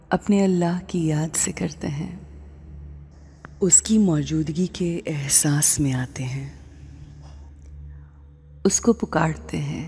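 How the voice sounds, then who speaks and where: Lady doing a spiritual guided meditation, super slow, lowish mellow voice, music behind her. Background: background music.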